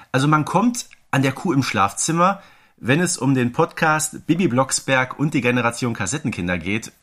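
A man's voice: a little high, fairly bright tone. Man in his thirties co-hosting a podcast. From Germany. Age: 30s. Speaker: podcast co-host. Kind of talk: casual podcast discussion.

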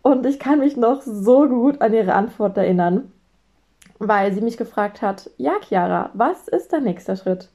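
A woman in her late twenties, a business mentor, talking reflectively to her audience and acting out her own anxious inner voice with sudden high exclamations. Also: lively intonation, measured pace, mellow. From Germany. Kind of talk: reflective solo talk.

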